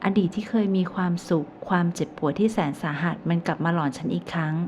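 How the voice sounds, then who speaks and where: Mellow, low-voiced woman narrating a novel. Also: quick pace. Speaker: audiobook narrator. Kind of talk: first-person romance audiobook narration. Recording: slightly dull recording, faint hiss.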